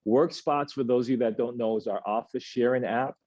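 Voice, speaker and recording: A man in his thirties hosting an office team meeting, reading out announcements in a relaxed, chatty way with plenty of filler sounds. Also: mid-range voice, brisk, no room sound, dull audio. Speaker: agency meeting host. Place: office meeting room, indoors.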